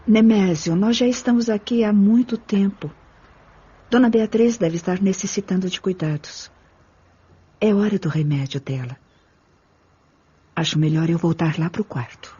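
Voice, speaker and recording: A woman's voice: mid-range voice, normal speed, long pauses, mellow, slightly rough. An actress playing a kindly, attentive young woman caring for a patient in a radio drama, with a Brazilian accent. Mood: gentle, attentive. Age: young adult. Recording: muffled, dull sound.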